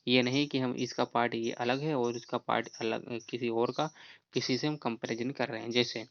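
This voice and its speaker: Man teaching grammar, flat steady voice. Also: medium pitch, no echo, lo-fi sound. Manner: explanatory, repeats "theek hai?" often, reads rules slowly. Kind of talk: exam-prep grammar lesson.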